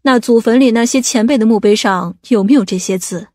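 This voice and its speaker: A woman playing a practical, inquisitive sister in an audiobook family drama, measured and straightforward. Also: fairly high pitch, a little mellow, dry recording, studio quality, lightly acted.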